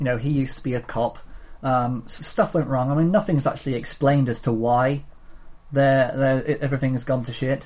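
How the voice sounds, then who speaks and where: A man's somewhat breathy, fairly high voice at a fairly quick pace. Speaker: podcast host. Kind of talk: casual chat.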